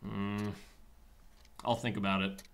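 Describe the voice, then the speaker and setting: A man's voice: lowish voice, level tone, takes it slowly, gravelly, noisy background. A man playing a laid-back, sardonic private detective in a sci-fi radio drama, with a dry, offhand manner. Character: wry, laid-back male private detective in futuristic Boston. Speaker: actor in a radio play.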